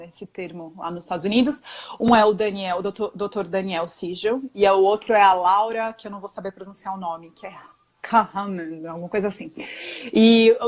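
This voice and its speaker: A young woman with a Brazilian Portuguese accent, explaining parenting ideas in a casual chat and often checking in with tag questions. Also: mid-range voice. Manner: chatty, peppered with tag questions and quick self-corrections. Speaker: parenting guest on a live stream.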